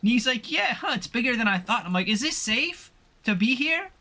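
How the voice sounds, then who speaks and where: Bright, animated man bantering while gaming. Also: very high-pitched, fairly quick. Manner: argumentative, sweary banter. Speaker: let's play co-host playing the game. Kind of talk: casual joking game commentary with anecdotes.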